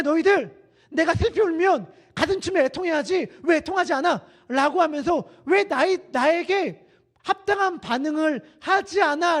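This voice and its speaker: A man's voice: very high-pitched, breathy edge. A man who is a pastor, preaching an expository sermon and asking the congregation questions. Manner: animated, acts out quoted voices, asks the congregation questions. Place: church sanctuary.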